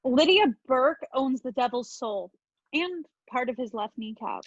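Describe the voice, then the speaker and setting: A woman's voice: sits high, expressive, a little slow, no echo, dull audio, exaggerated voice. A woman playing an adoring actress swapping reverent tall tales with friends in a comedy sketch. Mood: admiring, chatty. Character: adoring tipsy actress gossiping with gal pals at a bar. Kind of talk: comedy sketch reading, casual storytelling.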